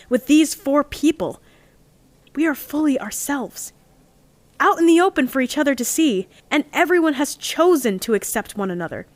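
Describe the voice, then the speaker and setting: A woman's voice: sits high, dry recording. A woman playing an earnest, lovestruck young member of a heist crew in an audio drama, speaking in a heartfelt, confessional way. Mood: wistful, hopeful. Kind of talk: audio drama monologue and dialogue.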